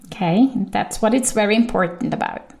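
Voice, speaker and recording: A woman with a Swiss German accent, hosting her own podcast as an intuition coach, talking animatedly on her own. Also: vocal fry. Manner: animated, with quick shifts up in pitch for emphasis. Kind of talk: solo podcast monologue.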